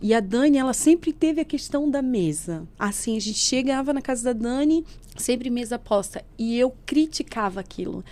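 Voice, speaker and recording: A woman telling an emotional personal faith testimony as a podcast guest. She tells it as a lively story, acting out what people said. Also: fairly high pitch, normal speed. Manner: lively storyteller who acts out quoted speech. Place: podcast studio.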